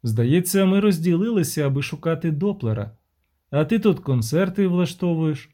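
A man's voice: a little high, lively intonation, moderate pace, dark tone. A man voicing a grim, weary witcher who speaks in a dry, level tone.

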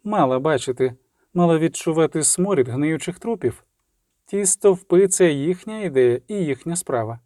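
Cold proud sorceress, sharp-tongued, man reading her lines. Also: a little high, lively intonation, normal speed, no room sound, clean studio sound, lightly acted. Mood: bitter accusing.

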